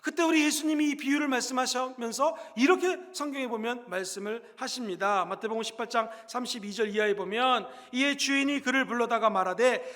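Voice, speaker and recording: A young man with a Gyeongsang Korean accent, preaching a sermon as pastor, emphatic and at times rising to loud exhortation. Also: extremely high pitch, brisk, hardly any pauses, in a large hall. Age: young adult.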